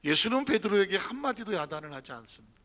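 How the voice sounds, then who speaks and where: A male pastor preaching a sermon, dramatic, swinging from shouts to whispers and acting out quoted speech. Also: sits high, very animated, quick pace. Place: church sanctuary. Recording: church hall with long reverb.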